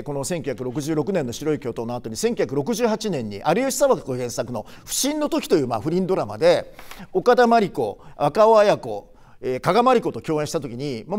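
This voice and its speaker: A man in his sixties talks through film history as a show host, in a casual, explaining manner full of small filler pauses. His voice sits a little high and swings widely in pitch, which keeps the commentary lively.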